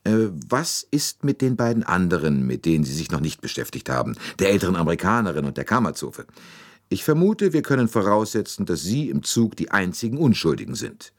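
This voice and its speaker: Man doing a brash american private eye, drawly and blunt, raspy underneath. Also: deep voice, very animated, fairly quick, voice pushed up. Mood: admiring.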